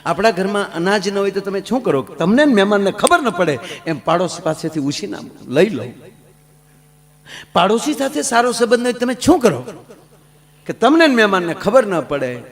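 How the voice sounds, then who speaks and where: A man telling folk comedy stories on stage, swinging from hushed asides to loud declaiming. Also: high voice, big pitch swings, normal speed. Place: stage at a religious gathering.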